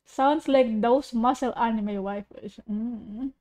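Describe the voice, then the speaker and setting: High-voiced, unhurried woman streamer. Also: mellow. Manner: giggly, rambling, playful. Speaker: streamer reacting to videos. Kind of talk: casual livestream reaction chat. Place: living room.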